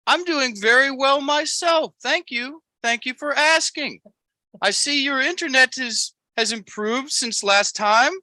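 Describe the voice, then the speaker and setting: A man's voice: extremely high pitch, unhurried, bright, forceful tone, no echo, voice pushed up, exaggerated voice. A man putting on a prim, overly polite old-fashioned Amish man, speaking in a genteel sing-song.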